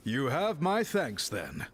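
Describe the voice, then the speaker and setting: A man's voice: medium pitch, slight background noise, heavily acted. A man voicing a humble, courteous and earnest tribal chief in a video game.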